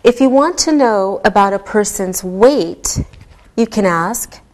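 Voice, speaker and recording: Woman English teacher, patient and deliberate, speaking at an extremely slow pace. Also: mid-range voice, animated, rough recording. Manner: patient, deliberate, spells things out step by step. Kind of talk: slow, clearly enunciated classroom teaching.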